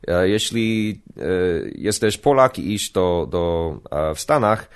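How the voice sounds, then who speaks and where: A man's voice: lowish voice, animated, unhurried, clear, resonant tone. An American man, a podcast guest, telling stories casually with profanity and mimicked voices. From United States. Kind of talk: casual storytelling.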